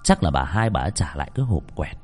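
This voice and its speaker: Một người đàn ông giọng miền Nam kể chuyện đầy biểu cảm và kịch tính. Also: male voice, a bass voice, brisk, soft background music. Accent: Southern Vietnamese. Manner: expressive, dramatic. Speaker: storyteller. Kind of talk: storytelling narration.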